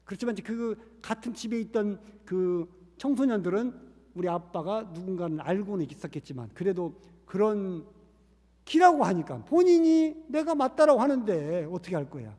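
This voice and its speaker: High-voiced man preaching in an echoing church. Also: animated, moderate pace, mellow. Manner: earnest storytelling, acting out quoted voices. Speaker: missionary preacher. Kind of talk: sermon with storytelling. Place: church sanctuary. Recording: reverberant church hall.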